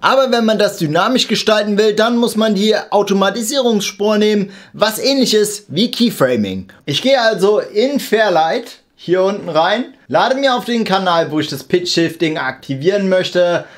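Young man, high-pitched voice, tutorial host, informal explanations, speaks straight to the viewer. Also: expressive, normal speed, hardly any pauses. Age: young adult. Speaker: video editing tutorial host. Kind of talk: casual software tutorial. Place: small indoor home studio.

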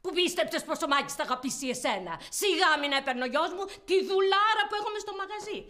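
An actress playing a domineering older mother who scolds and mocks with shrill insults. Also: expressive, bright, forceful tone, heavily acted. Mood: scornful. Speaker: mother-in-law. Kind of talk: television comedy acting.

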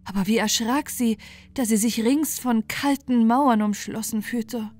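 A woman's voice: fairly high pitch, unhurried, darkish tone. A woman narrating a scripted bedtime fairy tale as a storyteller. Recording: music bed under the voice.

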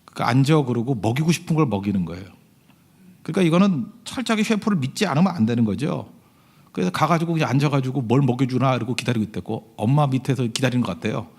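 A man's voice: lively intonation, quick pace, husky. Male pastor telling stories in a sermon. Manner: conversational storytelling, often asking the congregation "right?"; swings between loud emphasis and hushed low asides.

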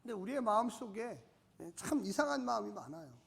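Male pastor, high-pitched, exhorting sermon delivery in a reverberant sanctuary. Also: sing-song, brisk, gravelly, fairly bright tone, breathy edge. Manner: exhorting, calls on the congregation to repeat and respond. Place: church sanctuary. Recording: long church-hall reverb.

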